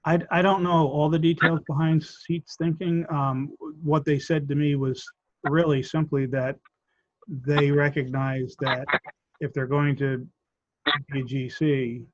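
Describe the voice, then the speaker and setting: A man reports on projects in a flat, level tone while losing his voice, so his throat keeps catching. He speaks haltingly and starts sentences over. The call audio is muffled and lo-fi. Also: a little high, dry recording. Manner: halting, many ums and restarts, measured. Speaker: land bank staff member giving project updates. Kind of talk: meeting discussion.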